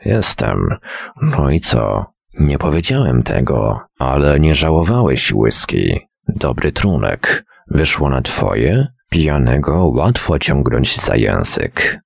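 A drunken, bloated man rambles on about his lost greatness, his words slurred and mumbled, voiced by a man reading a story. The voice is very deep and gravelly, and the pace is slow. The recording is close and dry. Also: very animated, no room sound, heavily acted. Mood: drunken rambling. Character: drunken bloated man, a rambling self-proclaimed former scientist. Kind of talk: audiobook character reading.

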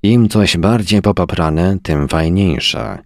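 A man's voice: deep voice, slow, no room sound, studio quality. A man voicing a sardonic, hard-drinking male professor who talks in mocking, long-winded turns.

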